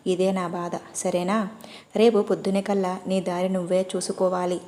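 A woman voicing a stern young man who questions a stranger bluntly and gruffly. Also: on the low side, little pitch movement, moderate pace, warm tone, close to an everyday voice. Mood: curt. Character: stern young man, a wary rich host.

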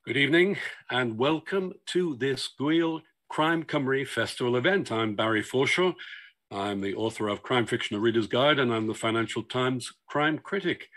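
Older male chair, formal measured intro, mid pitch, video-call sound. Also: a bit bright. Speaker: festival event chair. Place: home study with bookshelves.

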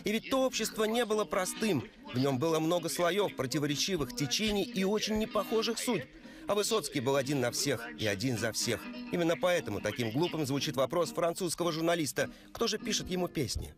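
News reporter guy doing voice-over, kinda high voice, music bed under it. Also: expressive, brisk. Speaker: news correspondent. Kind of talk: scripted report narration.

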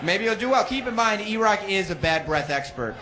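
A man working as a warm-up host on stage, bantering casually and teasing the people around him. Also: high voice, animated, brisk. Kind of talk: live crowd hosting, casual banter. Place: stage at a live event. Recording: live venue with crowd noise. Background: audience noise.

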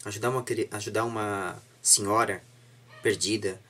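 A young man with a Brazilian accent and a slightly husky voice, chatting reflectively as an interviewer, repeating and rephrasing himself earnestly. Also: on the low side, fairly even intonation, normal speed, bright, forceful tone. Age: young adult. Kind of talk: casual reflective interview chat. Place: small home room indoors, seated on a sofa.

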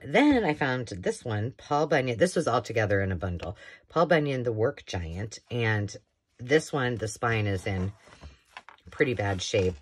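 A woman's voice: very deep voice, slight background noise. A woman hosting a casual show-and-tell of thrifted books, chatty and rambling with enthusiastic asides, filmed indoors at a craft table. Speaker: craft channel host.

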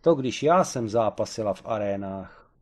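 A man voicing a proud, domineering former strongwoman wrestler who talks loudly and haughtily. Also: lively intonation. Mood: haughty. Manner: booming, haughty, matter-of-fact about cruelty.

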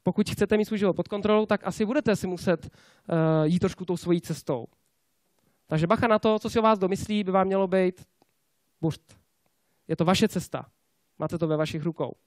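A man's voice: high-pitched, pauses often, a little mellow, dry recording, clean studio sound. A man giving a motivational conference talk on selling, often asking the audience rhetorical questions. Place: conference stage before a live audience.

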